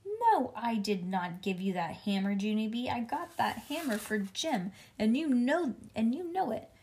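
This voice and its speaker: A woman's voice: mid-range voice, animated, a little fast, a little mellow, natural voice. Woman as an exasperated, scolding storybook mother. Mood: furious, shouting. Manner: scolding, emphatic. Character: exasperated, strict, quick-tempered mother of a young girl.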